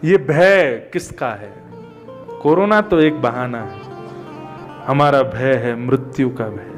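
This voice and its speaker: A man's voice: medium pitch, lively intonation, slow, faint music behind. A man giving a Hindu devotional discourse in a conversational, storytelling way, asking rhetorical questions. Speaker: Hindu katha preacher. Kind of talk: devotional discourse with everyday anecdotes.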